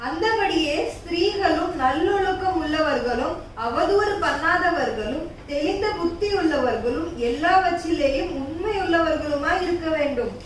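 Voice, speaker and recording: A woman playing an earnest church sister who lectures a friend and quotes Bible verses slowly, in an amateur family skit. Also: very high voice, expressive, slight background noise. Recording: echoey room, far from mic.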